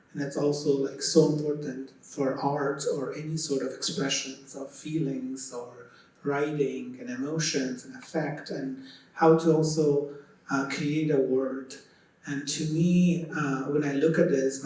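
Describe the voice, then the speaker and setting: A man whose native language is Dari Persian speaks reflectively on a panel, halting often mid-thought. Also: mid-range voice, a little mellow. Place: large echoey indoor room. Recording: very echoey room, distant microphone.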